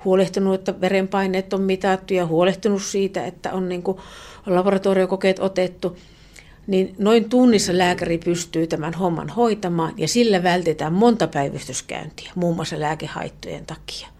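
A woman professor, a guest on a radio interview, explaining earnestly with many fillers and restarts, often trailing off softly. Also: on the low side, fairly even intonation.

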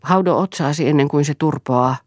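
A woman's voice: low-pitched, a little mellow, no echo, clean studio sound, voice pushed up. A woman reading a sneering bitter husband. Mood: scornful. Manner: sneering, provoking. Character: bitter, scornful middle-aged husband.

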